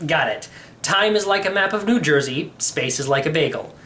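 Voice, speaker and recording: A man's voice: on the high side, animated, moderate pace, pushed and bright, slight background noise. A man voicing an anxious, bewildered young boy in a storybook, fretful and full of questions. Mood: earnest. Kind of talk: storybook character reading.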